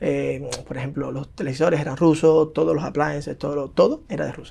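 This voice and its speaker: This man talks at a fairly quick pace, and his loudness swings widely. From Cuba. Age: 30s. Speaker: entrepreneur. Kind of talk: interview. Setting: in person in Miami.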